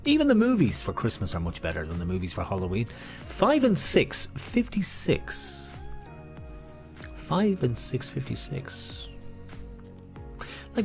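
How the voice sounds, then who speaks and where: A man's voice: lowish voice, darkish tone. An Irish man hosting as a bingo caller, mixing playful sing-song number calls with casual chat. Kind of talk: bingo calling mixed with casual banter.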